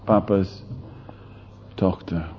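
A man preaching a sermon, speaking slowly and dramatically, asking the congregation rhetorical questions and swinging between loud emphasis and hushed asides. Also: deep voice, fairly even intonation, slight background noise. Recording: long hall reverb, dull lo-fi sound.

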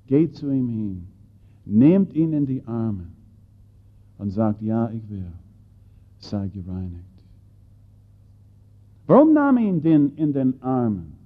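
A man preaching a sermon, swinging between loud bursts and hushed lines and putting questions to his listeners. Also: medium pitch. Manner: addresses listeners directly with questions. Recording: tinny phone-like audio.

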